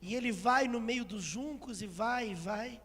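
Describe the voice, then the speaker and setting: A man from Brazil preaching a sermon, retelling a story dramatically with acted quotes and swells to shouts. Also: very high-pitched, measured pace. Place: church sanctuary. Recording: long hall reverb.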